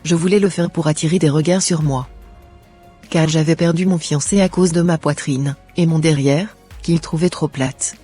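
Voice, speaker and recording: A man's voice: on the high side, steady tone, moderate pace, slightly rough. A man voicing a young Christian woman who is considering cosmetic surgery, speaking in an earnest, plain-spoken way in a cartoon. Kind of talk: amateur cartoon voice acting. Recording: soft music underneath.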